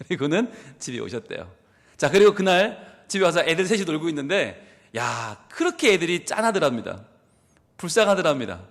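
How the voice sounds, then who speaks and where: Gyeongsang-accented male pastor, high voice that swings widely, storytelling sermon in a reverberant church hall. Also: moderate pace. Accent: Busan Gyeongsang. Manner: animated storytelling, acts out the people in his story. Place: church sanctuary.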